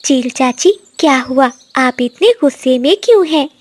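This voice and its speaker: A woman's voice: high-pitched, lively intonation, normal speed, darkish tone. Woman doing a sweet little cartoon bird. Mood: cheerful.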